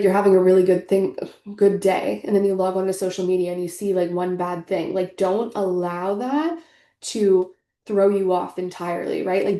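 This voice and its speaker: With a dark tone and a mid-range voice, a young woman sounding congested talks earnestly through a tarot reading. She is chatty and filler-heavy in this spiritual talk, and the sound is roomy.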